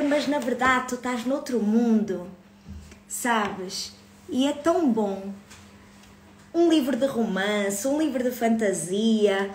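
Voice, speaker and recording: A Portuguese woman in her thirties chats on a live stream about her book club. She speaks unhurriedly in a slightly high voice, greeting viewers by name and laughing often. Her voice rings a little in an echoey room. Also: slight background noise. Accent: European Portuguese. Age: 30s. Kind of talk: casual live stream chat.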